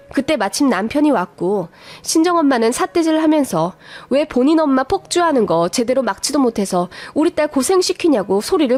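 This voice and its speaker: A woman's voice: high voice, a little mellow. A young woman narrating a scripted radio story in a confiding, exasperated manner.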